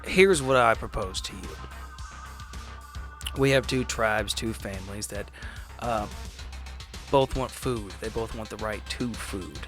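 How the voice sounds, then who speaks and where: A man playing a tabletop roleplaying game, improvising persuasive speeches in a casual, halting way. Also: on the low side, a bit bright, faint music behind. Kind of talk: improvised in-character negotiation and table talk.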